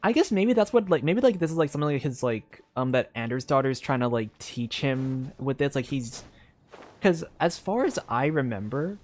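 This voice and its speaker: Video game streamer, middle pitch. Casual, hesitant, rambling think-aloud commentary with faint game music underneath. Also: big pitch swings, normal speed. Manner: hesitant, rambling, filler-heavy musing.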